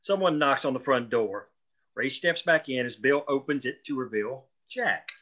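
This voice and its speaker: A man reads screenplay stage directions. His mid-range voice is bright and forceful, though the recording is lo-fi and a bit dull. The delivery is scripted narration. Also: medium pitch, lively intonation, moderate pace. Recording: dull lo-fi audio.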